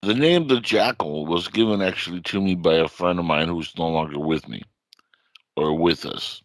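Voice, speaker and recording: A man's voice: deep voice, moderate pace, dry recording. A middle-aged man hosting an online radio show, delivering a late-night monologue with a touch of theatrical horror-host showmanship.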